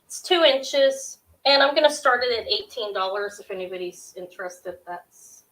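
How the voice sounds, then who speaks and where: A middle-aged woman with a sharp, high-pitched voice, hosting a live jewelry auction from her desk at home, chatty and scattered with lots of ums and quick restarts. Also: expressive, poor audio. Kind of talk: casual live-stream selling. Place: small home room with shelves of jewelry displays.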